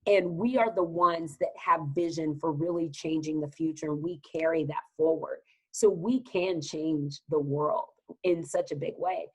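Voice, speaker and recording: A woman from Texas with a Southern accent, speaking as a guest in a podcast interview with an energetic, emphatic, motivational way of talking. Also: sits low, measured pace, hardly any pauses, husky, rough recording. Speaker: guest business advisor.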